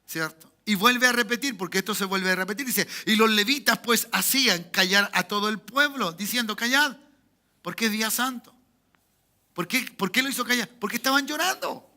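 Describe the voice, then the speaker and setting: Bright-voiced Chilean pastor preaching. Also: male voice, sits high, fairly quick, hardly any pauses. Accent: Chilean Spanish. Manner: preaching with rising emphatic peaks and quiet asides, asking the congregation for amens. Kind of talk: sermon. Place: church sanctuary.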